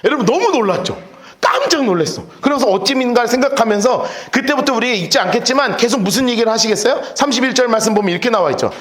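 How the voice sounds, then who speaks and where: A male pastor preaching a sermon in a church on a handheld microphone, telling the story in an animated way and acting out the voices of the people in it. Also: very high-pitched, fast talker. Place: church sanctuary. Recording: echoey church hall.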